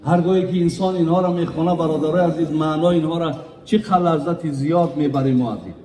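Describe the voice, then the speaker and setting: A man's voice: a little high, fairly even intonation, dark tone, slight background noise. A man with a Tajik accent gives an earnest wedding sermon as a preacher, often addressing his listeners as brothers. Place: large echoey hall at a wedding. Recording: echoey hall, voice from far off.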